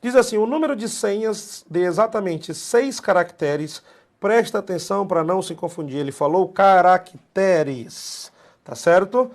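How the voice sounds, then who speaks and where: A man's voice: high-pitched, expressive, normal speed. A man with a Brazilian Portuguese accent teaching a math exam-prep lesson, blunt and emphatic, repeating key points in slangy talk.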